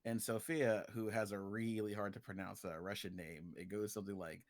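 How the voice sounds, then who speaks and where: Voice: low-pitched, fairly even intonation, brisk, dry recording. A livestream guest chatting casually, often giggling and playfully acting out quotes. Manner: giggly, playfully self-amused, dramatizes quotes. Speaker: livestream guest and character artist. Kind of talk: casual chat.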